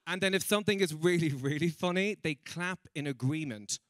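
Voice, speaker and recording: A man's voice: on the high side, fairly quick, fairly bright tone, dry recording, clean studio sound. A young man doing a stand-up comedy set, chatty and teasing with the crowd and laughing at his own jokes. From Ireland. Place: comedy stage in a room with an audience.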